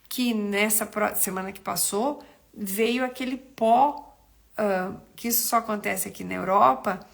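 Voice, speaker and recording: A middle-aged woman talks casually on a live stream and greets viewers by name as she goes. Her voice sits a little high but has a gravelly, fry-edged texture, and her throat is still rough from a cold. She rambles, restarting phrases and trailing off. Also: fairly bright tone. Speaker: nutritionist hosting a live stream.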